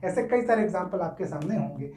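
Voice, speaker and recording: A man's voice: sits high, animated, fast talker, dark tone. A man teaching English grammar in a casual, repetitive way, often stopping to check that listeners follow. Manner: repetitive, checks in with "theek hai". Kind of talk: casual Hindi-English classroom explanation. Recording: roomy echo.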